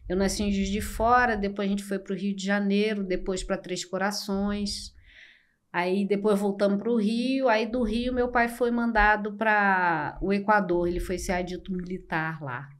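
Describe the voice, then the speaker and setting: An older woman from Brazil, a podcast guest telling her life story slowly and reflectively, with many pauses. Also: medium pitch, flat delivery. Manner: slow, reflective, with frequent pauses and fillers. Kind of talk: personal storytelling in an interview.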